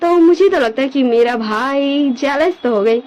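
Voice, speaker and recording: A woman's voice: high-pitched, unhurried, a little mellow, slight background noise, low-quality recording. A woman voicing a playful older brother and future clan leader who teases his younger sibling, in a read-aloud fan story. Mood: teasing. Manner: playful teasing.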